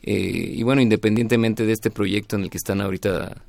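A man's voice: on the low side, steady tone, fairly quick, vocal fry, a little mellow, no room sound. A man speaking as an interviewed band leader, in casual, reflective talk, often searching for his words.

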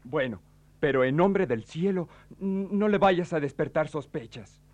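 A nervous, high-voiced farmhand. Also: male voice, expressive, unhurried, darkish tone. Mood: scheming, tense. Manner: stammering, repeating words. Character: nervous, scheming farmhand afraid of his boss. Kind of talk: theatrical radio play acting.

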